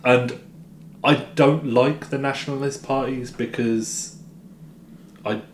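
A man's voice: mid-range voice, steady tone, slow. A young man co-hosting a podcast, chatting about politics in a blunt, heated way and swearing freely. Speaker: podcast co-host. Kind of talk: casual political chat. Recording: echoey room with faint noise.

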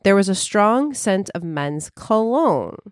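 A woman's voice: medium pitch, very animated, slow, dry recording, clean studio sound. A woman co-hosting a podcast, chatting casually and reading a listener's story aloud with frequent restarts. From Chicago. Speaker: podcast co-host.

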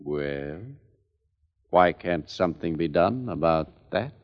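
A man's voice: sits low, animated, takes it slowly. An actor playing a sarcastic young male political candidate in a 1940s radio drama. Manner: sarcastic, edgy. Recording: dull old radio recording.

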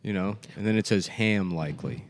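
American male comedian hosting a podcast, notably deep voice, loose conversational delivery. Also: fairly quick. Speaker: podcast host and touring comedian. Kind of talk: casual chat. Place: podcast studio.

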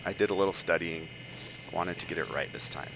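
Low gravelly man hosting a podcast. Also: noisy background. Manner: playful, stumbling, quick banter. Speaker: podcast host. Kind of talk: casual book podcast chat.

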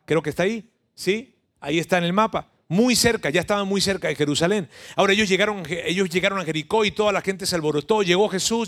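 A man preaches a sermon, retelling the story with lively drama and addressing his listeners directly. His voice sits somewhat high for a man.

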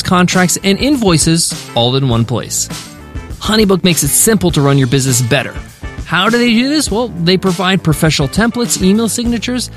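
A man hosting a business podcast, reading a sponsor ad with upbeat, salesy energy, then wrapping up the lesson. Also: high-pitched. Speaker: podcast host. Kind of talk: podcast ad read and lesson wrap-up. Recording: faint guitar music behind. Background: faint guitar music.

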